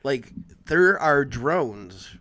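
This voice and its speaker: A man's voice: mid-range voice, very animated, very slow, sharp tone, slight background noise. A man hosting a casual podcast, chatting in a laid-back way with lots of "like" and "dude". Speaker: podcast host. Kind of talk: casual chat.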